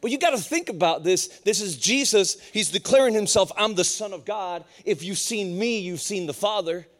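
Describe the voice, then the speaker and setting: A man in his thirties from Puerto Rico, preaching a sermon with humor and rising intensity. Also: normal speed. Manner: lively, humorous preaching that climbs higher and more intense as it goes. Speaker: pastor.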